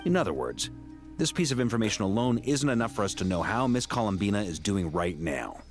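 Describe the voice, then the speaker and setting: A courteous, steadfast game gentleman, low in pitch yet richly varied in intonation. He is formal and deliberate, setting out each point precisely. Music plays clearly underneath. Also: sing-song. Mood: analytical. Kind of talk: video game character acting.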